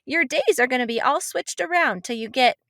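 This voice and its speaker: A woman's voice: sits high, animated, fairly quick, no echo, clean studio sound. Encouraging woman interviewing a child. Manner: gentle, encouraging, often repeats answers back. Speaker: children's program host and interviewer.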